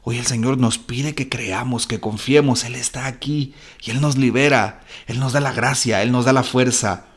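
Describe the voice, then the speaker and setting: A man, a Catholic priest, giving a fervent devotional reflection on the gospel, speaking straight to the listener and swinging from strong exhortation to soft, hushed passages. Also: mid-range voice, fairly even intonation, normal speed, few pauses, slightly rough. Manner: fervent, repetitive preaching that swells loud and drops to a hush; addresses the listener directly and intimately.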